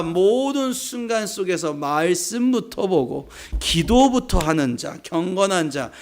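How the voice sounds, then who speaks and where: A male pastor from South Korea delivers a sermon in a fairly high, bright voice. He preaches with emphasis, often asking the congregation a question and answering it himself. Now and then he acts out a short quoted voice.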